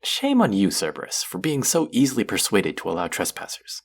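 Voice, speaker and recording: Guy doing aloof underworld god for audio rp, really deep n gravelly, formal and dry, secretly soft. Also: wildly swooping pitch, brisk, heavily acted. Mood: stern, wry. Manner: formal, wry, guarded, addressing the listener directly. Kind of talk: intimate scripted audio roleplay.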